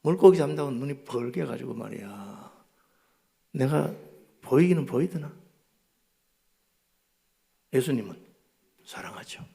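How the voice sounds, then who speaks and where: Revival preacher, male, Gyeongsang accent, gravelly voice, storytelling sermon with loud and hushed swings. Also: mid-range voice, expressive, measured pace, pauses often. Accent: Gyeongsang Korean. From Gyeongsang, South Korea.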